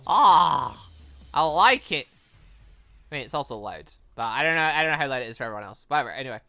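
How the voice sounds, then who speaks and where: An excitable gaming YouTuber reading a visual novel aloud and commenting on it in an animated, exclaiming manner. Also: medium pitch, quick pace. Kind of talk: let's play commentary mixed with reading dialogue aloud. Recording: music behind the voice. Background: video game music.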